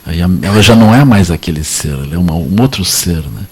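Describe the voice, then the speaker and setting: A deep-voiced man with a Brazilian Portuguese accent teaches Buddhism to an audience, loose and joking. His voice is low and slightly husky. He keeps coming back to short tag phrases between his points. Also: quick pace. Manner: relaxed, joking, repeats "é assim, né". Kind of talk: dharma talk to an audience. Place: lecture at a meditation center.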